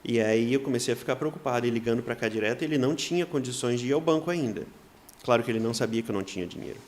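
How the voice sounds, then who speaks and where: A man's voice: mid-range voice, very fast. A man, a missionary guest, telling a personal faith story in an earnest way, acting out what people said to him. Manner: earnest, acts out quoted dialogue in lively voices.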